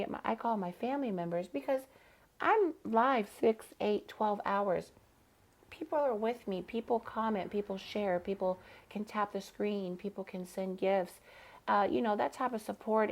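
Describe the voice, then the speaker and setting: A trans woman drag queen chatting expressively as a podcast guest, her voice turning nasal when she gets excited. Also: mid-range voice. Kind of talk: casual podcast conversation.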